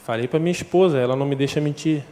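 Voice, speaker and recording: A man's voice: fairly high pitch, racing, warm tone. A man with a Brazilian accent giving a church testimony, telling his story with emotion and acting out the dialogue. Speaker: former football defender giving testimony.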